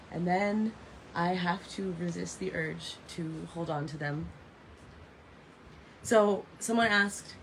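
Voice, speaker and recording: A woman in her thirties with a raspy voice, chatting casually and dramatically to live stream viewers, repeating phrases for emphasis. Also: fairly low pitch. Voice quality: raspy from heavy singing. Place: open porch of a house and its garden, outdoors. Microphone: phone at arm's length. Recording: noisy outdoor phone recording.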